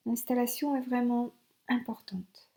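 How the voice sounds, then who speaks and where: Woman yoga teacher, gentle guided relaxation, mellow tone, unhurried and soothing. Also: on the high side, flat delivery. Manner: slow, gentle, soothing instructions.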